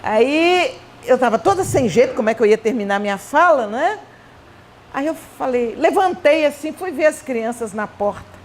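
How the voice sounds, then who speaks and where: A Brazilian woman giving a Spiritist conference talk, telling personal stories in an animated, chatty way with playful asides. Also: high-pitched, a little hiss or hum. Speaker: Spiritist speaker. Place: event hall.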